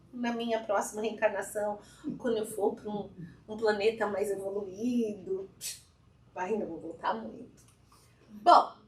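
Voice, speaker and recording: A woman's voice: mid-range voice, a little hiss or hum. A woman giving an informal spiritual talk to a live audience, chatty, often checking in with them as she speaks. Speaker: guest speaker at a spiritist fellowship. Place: lecture hall with a live audience. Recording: echoey hall, mic at a distance.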